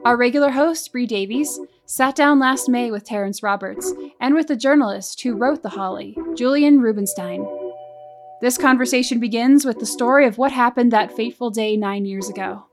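A woman filling in as podcast host, reading a scripted introduction in a crisp announcer style. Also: on the high side, normal speed. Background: music.

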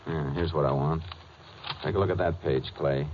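Low-voiced, terse Texas Ranger. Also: male voice, fairly even intonation, normal speed. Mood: thoughtful, clipped. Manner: terse, laconic, matter-of-fact. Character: calm, shrewd Texas Ranger investigator, male. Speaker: actor in lead role and narrator. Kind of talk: 1950s western radio drama acting. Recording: muffled, noisy 1950 radio recording.

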